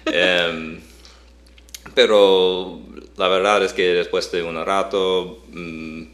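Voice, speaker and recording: A man's voice: sits low, level tone, drawn-out words, a bit bright. A young man whose first language is English, speaking Spanish hesitantly with many restarts and fillers while co-hosting a podcast. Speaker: podcast co-host. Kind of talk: casual chat. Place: Boston.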